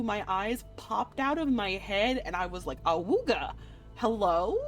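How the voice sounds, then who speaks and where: A woman streaming a game and chatting casually to viewers in an excitable, gushing, playful and slangy way. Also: medium pitch. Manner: slangy, swearing. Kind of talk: casual livestream chat to viewers. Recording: music behind the voice. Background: music.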